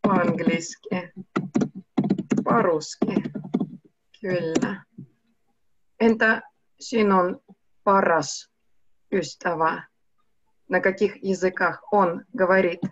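Slow, patient young woman teacher. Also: fairly low pitch, steady tone, slight background noise. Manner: slow, patient, switches between Russian and Finnish. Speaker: online Russian teacher. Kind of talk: one-on-one language lesson over video call. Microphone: video call webcam mic. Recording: muffled, dry video call audio.

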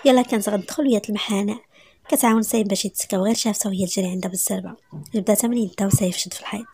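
A woman with a Moroccan accent narrating a romantic story in a dramatic, sometimes hushed way. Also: medium pitch, steady tone, rapid-fire, slightly rough.

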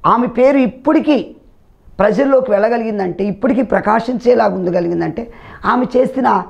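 A man's voice: sits high, creaky, lo-fi sound. A man preaching a televised sermon with fervour, often crying out hallelujah and praise the Lord.

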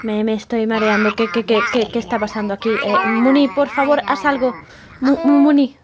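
Lightly acted, with a crowd audible in the background, a woman hosting a roleplay channel voices a jittery, flustered character: a jumpy young woman who is fussy and easily scared. Improvising the game roleplay, she stammers and repeats words when startled. Her voice is fairly high, level in tone and moderately paced.

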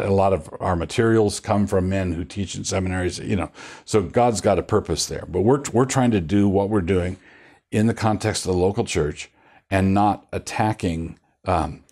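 An older man, a pastor, talking in a relaxed studio interview, wandering through his points with restarts and a wry chuckle, on a lapel mic. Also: low voice, normal speed. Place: studio set with bookshelves.

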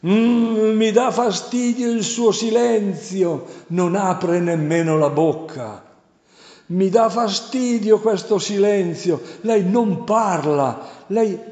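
A man voicing a raging, hateful male demon who rants in a shrill, strained voice. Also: dark tone. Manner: shrill, strained ranting with repeated outbursts. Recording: roomy, reverberant hall sound.

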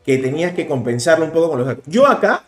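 Man, 30s, Peruvian Spanish accent, animated game commentary, slightly high voice, echoey room, faint background music. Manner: animated, explaining plays rapidly with bursts of emphasis. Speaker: card game streamer. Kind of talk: casual gameplay commentary. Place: indoor room, webcam overlay.

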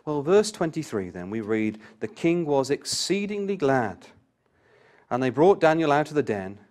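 A man's voice: a little high, big pitch swings, moderate pace, a little mellow. A man giving a Bible study talk, reading scripture aloud with rising emphasis and turning to the listeners with direct questions. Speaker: Bible class speaker.

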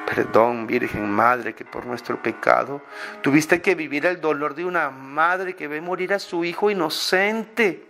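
Slow pleading man praying over music. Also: fairly high pitch, fairly bright tone. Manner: pleading, fervent, many pauses. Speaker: prayer leader. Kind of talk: slow devotional spoken prayer. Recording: clear music bed under the voice.

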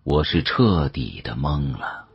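A man narrating an audiobook as dramatic first-person storytelling, expressive and theatrical, with colloquial asides. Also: very deep voice, slow pace, vocal fry, husky, dry recording, dull audio.

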